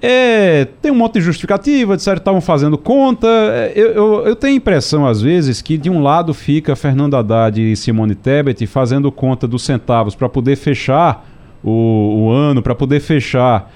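A man from Brazil hosting a radio talk show, introducing a guest and putting an animated question to him. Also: a little high, normal speed. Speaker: radio host.

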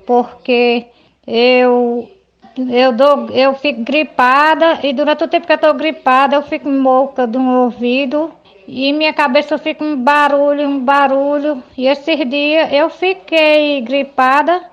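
Rural woman from the Pernambuco Sertão, high-pitched, halting caller, dull lo-fi recording. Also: steady tone. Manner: halting, hesitant. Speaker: listener sending a voice message. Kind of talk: recorded voice message.

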